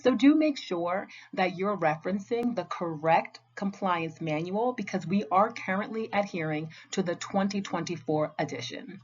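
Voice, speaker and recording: A woman giving a scripted training narration as a compliance trainer, speaking in a clear, measured, instructional way. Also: on the low side, darkish tone. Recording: dull lo-fi audio.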